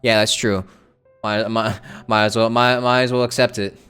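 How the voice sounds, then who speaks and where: A man livestreams a game in a casual, slangy way. His voice is clear and smooth at an ordinary pitch, and he circles back over his phrases. Game music plays behind him. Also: level tone, moderate pace, fairly bright tone.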